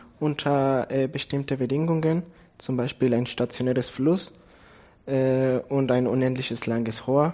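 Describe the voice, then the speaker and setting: A man's medium-pitched voice with a slight non-native accent, fairly even intonation, a fairly slow pace and very even loudness. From Mexico. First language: Spanish (speaking German). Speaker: university student. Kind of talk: casual interview.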